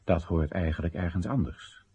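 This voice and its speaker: A man's voice: deep voice, moderate pace, warm tone, husky. An actor playing an exasperated, ironic Chinese citizen addressing his comrades in emphatic short phrases, in a theatrical radio play monologue. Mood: hushed, intimate.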